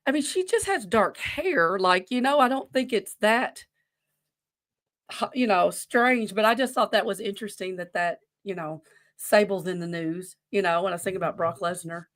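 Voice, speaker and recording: A woman's voice: mid-range voice, normal speed, a bit bright. Rambling woman in her forties chatting casually. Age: 40s. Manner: rambling, easily sidetracked. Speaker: podcast co-host running a wrestling quiz. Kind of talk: casual chat.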